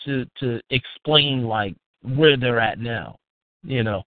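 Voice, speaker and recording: This is a plain, everyday voice. It goes at a fairly slow pace with ordinary pitch variation. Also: man. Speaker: podcast panelist. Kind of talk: casual chat.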